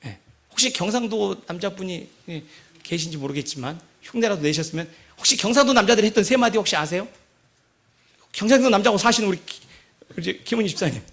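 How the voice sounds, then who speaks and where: A man preaches in a church, keeping it conversational and checking in with his listeners with questions. His voice sits high and carries a gravelly roughness. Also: animated, quick pace, a bit bright. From Jeolla province, Korea. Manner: conversational preaching, asks the congregation questions often. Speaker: pastor. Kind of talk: sermon. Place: church sanctuary.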